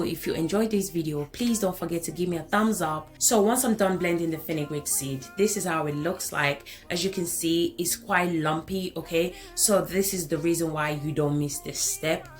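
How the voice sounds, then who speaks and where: A woman in her thirties with an African accent talks through a hair care tutorial in a lowish voice. She is enthusiastic and repeats phrases for emphasis. Soft music plays faintly behind her. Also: normal speed. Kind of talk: tutorial voice-over.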